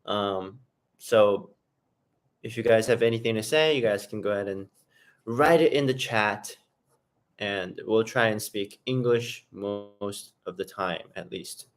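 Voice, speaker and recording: A man's voice: lowish voice, unhurried. Casual man hosting a live stream. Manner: loose, rambling, talks straight to viewers in chat; eats while talking. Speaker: livestream host.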